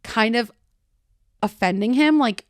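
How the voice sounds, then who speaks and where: Woman, podcast host, casual chatty talk, smooth clear voice, dry close-mic sound, lots of fillers. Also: on the high side, unhurried, dry recording. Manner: casual and chatty, reads out song lyrics and explains them; full of filler words like "like" and "kinda".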